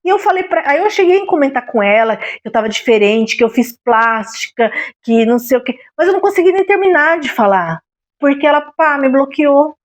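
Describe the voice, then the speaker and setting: High-voiced Brazilian woman confiding. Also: animated, brisk. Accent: Brazilian Portuguese. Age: middle-aged. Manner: confiding, repeatedly checks in with the listener. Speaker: vlogger. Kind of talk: personal storytelling vlog.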